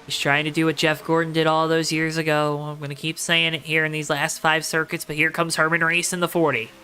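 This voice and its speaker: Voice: mid-range voice, level tone, a little fast, sharp tone, slight background noise. A motorsport commentator calling a race live, with dramatic, emphatic repetition and colorful phrasing. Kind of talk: live play-by-play racing commentary.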